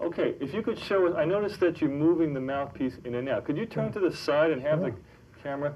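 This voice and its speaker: A man talks at a very fast pace with a fairly high pitch. His pitch varies in an ordinary way over light background noise. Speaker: saxophone and clarinet teacher. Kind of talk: interview questions to a guest. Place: home room. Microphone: lapel.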